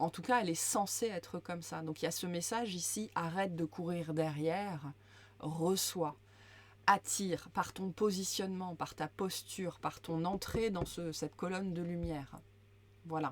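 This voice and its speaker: A fairly slow, fairly low-pitched woman's voice with ordinary pitch variation. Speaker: tarot and oracle reader. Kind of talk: spiritual guidance reading. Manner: hesitant, many fillers.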